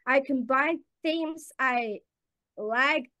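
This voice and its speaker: Bright-voiced Bulgarian woman in her twenties. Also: high-pitched, no room sound. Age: 20s. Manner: halting, many fillers, laughs. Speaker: panel guest. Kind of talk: casual chat.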